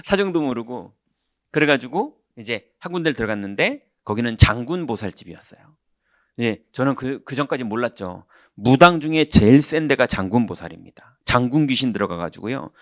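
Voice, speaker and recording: A man preaching as a pastor, telling a personal story in an animated way and acting out the people in it. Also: mid-range voice, moderate pace, dry recording, clean studio sound. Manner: animated, acts out quoted voices, shouts punchlines. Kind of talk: sermon with storytelling. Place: church sanctuary.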